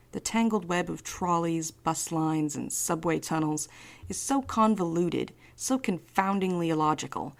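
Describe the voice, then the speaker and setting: Woman playing a low, creaky-voiced wry courier. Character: wry, defiant woman night courier in audio fiction. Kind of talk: audio drama acting and narration.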